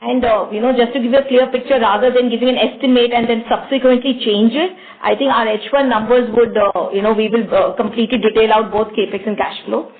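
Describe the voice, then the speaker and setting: Over a tinny conference phone line, a woman with an Indian accent speaks in a fairly high voice. She answers as a company executive, explaining cautiously and doubling back on her words. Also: steady tone, brisk, hardly any pauses. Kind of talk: earnings call answers.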